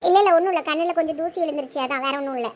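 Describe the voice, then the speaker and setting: A woman voicing a high, tearful cartoon girl. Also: very fast, natural voice. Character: tearful teenage girl Saranya, lovesick. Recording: dull lo-fi sound with faint noise.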